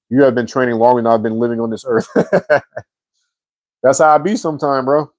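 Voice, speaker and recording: A man's voice: medium pitch, dry recording. A man in his forties hosting a casual live chat, reading viewer comments and answering in a slangy, easygoing way. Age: 40s. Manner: slangy and relaxed, says bro and man a lot.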